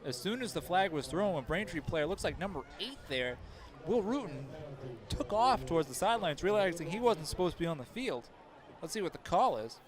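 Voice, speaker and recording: A man's voice: high-pitched, sing-song, a little fast. Chatty, analytical male football commentator. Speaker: color commentator. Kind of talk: local football color commentary.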